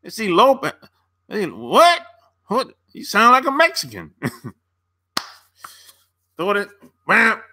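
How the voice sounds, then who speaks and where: A man's voice: sits high, wildly swooping pitch, slow, pauses often, pushed and bright. A man hosting a casual livestream, answering viewer comments in a laid-back, slangy way and laughing often between remarks. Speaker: dating coach and channel host.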